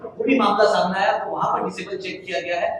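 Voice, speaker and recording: A man's voice: sits high, fairly even intonation, fast talker, fairly bright tone, recorded from a distance. A man working as a reporter, asking questions at a press conference. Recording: echoey room, off mic, clear noise.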